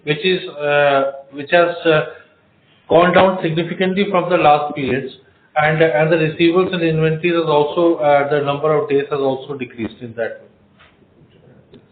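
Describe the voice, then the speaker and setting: Hesitant finance executive on a call line. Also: male voice, fairly high pitch, fairly even intonation, normal speed, a little hiss or hum. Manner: hesitant, many fillers while reading out figures. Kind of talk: earnings call answers. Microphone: conference call phone line. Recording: echoey room over phone line.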